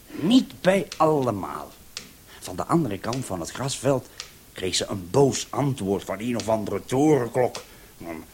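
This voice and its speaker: An actor playing an excitable, defensive petty thief in a Dutch-language radio play, telling things dramatically. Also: male voice, medium pitch, lightly acted. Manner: animated, dramatic storytelling. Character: excitable male thief, defensive underling of a chef. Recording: noisy old radio recording.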